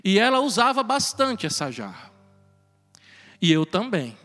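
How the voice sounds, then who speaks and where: Priest from the Northeast, earnest homily storyteller, light chuckles, voice high for a man, heard in an echoing church. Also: big pitch swings, measured pace. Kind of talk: homily at Mass. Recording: reverberant church with soft music.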